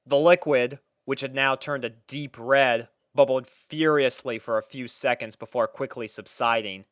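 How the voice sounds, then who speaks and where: A woman narrating a scripted story in an expressive manner. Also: very deep voice, moderate pace, no echo, studio quality.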